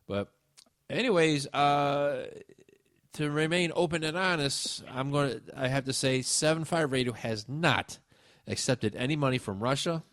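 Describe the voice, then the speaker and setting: Male talk radio host, wry, rambling, fillers, mid-pitched voice, dry close sound. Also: measured pace, fairly bright tone, dry recording.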